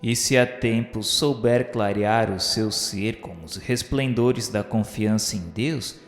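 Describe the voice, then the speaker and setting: A man with a Brazilian accent reads a literary radio novel as narrator, in a solemn, formal, measured and earnest way. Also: lowish voice. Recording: echoey hall-like reverb under music. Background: background music.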